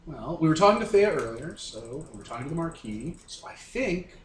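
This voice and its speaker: A man's voice: a little high, very animated, brisk, a little hiss or hum. Man playing a breezy radio host, roomy sound. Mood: chatty, flattering. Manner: chatty, indulgent, showman-like interviewer patter. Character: breezy, flattering radio talk-show host interviewing young gods. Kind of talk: radio interview role-play.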